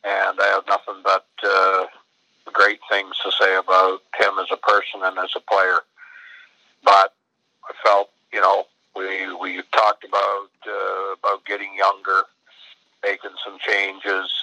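Older man, gravelly and flat, halting answers full of "uh" and restarts, tinny dry phone line. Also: sits low, no echo. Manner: halting, many fillers and restarts. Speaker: hockey general manager interviewed.

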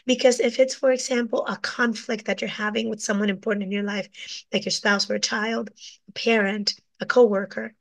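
A woman with a hoarse, raspy voice from a cold, teaching communication skills alone in her office and checking in often with "right?". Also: mid-range voice. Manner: asks "right?" after most points. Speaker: communication coach. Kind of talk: solo teaching talk.

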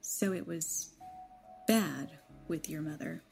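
A woman's voice: low-pitched, takes it slowly, gravelly, darkish tone, heavily acted. Woman playing a probing, careful young woman. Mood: probing, teasing. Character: probing twenty-one-year-old woman, outwardly light, secretly uneasy. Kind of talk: naturalistic audio drama acting. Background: background music.

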